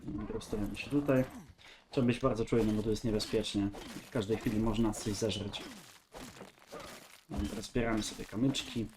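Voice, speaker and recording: A man's voice: lowish voice, steady tone, normal speed, background noise. Stuffy-nosed man commentating a game. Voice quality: nasal, stuffy nose. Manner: rambling, thinking aloud. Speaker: gaming video host. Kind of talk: casual gameplay commentary.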